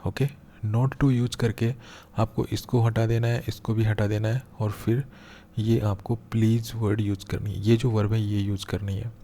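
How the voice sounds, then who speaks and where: A man teaches a grammar lesson in a low, mellow voice. He explains patiently, repeating each step, and slows right down when he reads an example sentence aloud. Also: little pitch movement, a little hiss or hum. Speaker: English teacher.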